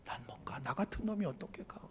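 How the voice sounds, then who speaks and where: A man's voice: sits high, expressive, fast talker, breathy edge, exaggerated voice. A man preacher voicing an ashamed, despairing male disciple who pleads and often drops to a whisper, in a church hall with long reverb.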